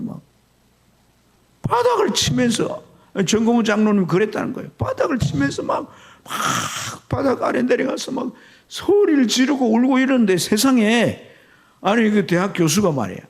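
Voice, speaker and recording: Husky-voiced Korean pastor preaching. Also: male voice, animated, brisk. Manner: storytelling with sharp swings in pitch and loudness. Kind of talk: sermon. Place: church sanctuary.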